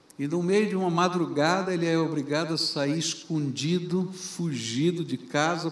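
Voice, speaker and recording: In an ordinary speaking voice, a man with a fairly high pitch talks fairly slowly, his pitch varying in an ordinary way. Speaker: pastor, preacher. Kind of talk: sermon telling a Bible story.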